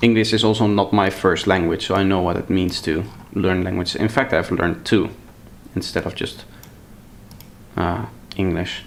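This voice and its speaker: With a Dutch accent and fairly even intonation, the speaker keeps a moderate pace broken by long, frequent pauses. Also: man, very deep, low pitch for a man. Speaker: music producer streamer. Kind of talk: live stream tutorial. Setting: live stream.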